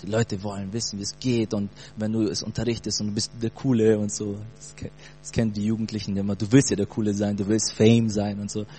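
A man in his late twenties from Brazil, telling his personal faith story in a casual, animated way with youth slang. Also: fairly low pitch, fast talker. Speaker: church testimony speaker. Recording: long hall reverb with mains hum.

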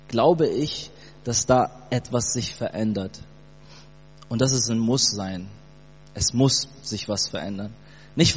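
A Brazilian-born man in his late twenties giving a fervent church testimony, halting often with fillers. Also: medium pitch. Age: 20s. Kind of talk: sermon testimony. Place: church hall. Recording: long hall reverb, mains hum.

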